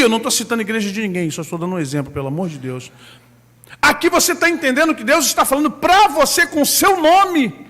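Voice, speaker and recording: A man with a Brazilian Portuguese accent preaching a sermon as pastor, breaking into loud shouted bursts. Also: very high voice, in a large hall.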